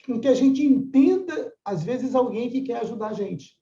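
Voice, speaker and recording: Older male class mediator, casual and animated, muffled roomy audio. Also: extremely high pitch, normal speed. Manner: conversational, frequent tag questions. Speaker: course mediator. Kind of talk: religious study class.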